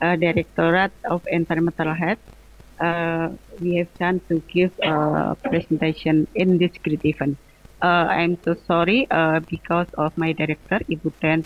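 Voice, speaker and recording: With an Indonesian accent, a woman speaks at a moderate pace and a fairly low pitch, with fairly even intonation and very even loudness, in a dry, close sound with no echo. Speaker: government health specialist. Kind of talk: presentation. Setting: remote online call. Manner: hesitant, many fillers.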